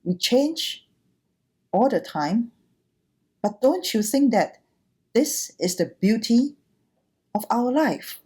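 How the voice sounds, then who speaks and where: Buddhist nun giving a talk, relaxed mellow voice, takes her time between short phrases. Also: fairly high pitch, slightly rough. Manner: deliberate, short phrases with pauses, earnest. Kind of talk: sermon, gentle teaching talk.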